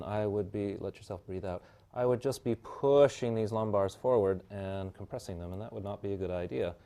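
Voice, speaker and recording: Guy teaching a bodywork class, low-ish voice, slow careful explaining. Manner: calm, measured explanation with slow guiding instructions. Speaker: bodywork instructor. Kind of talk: hands-on teaching demonstration.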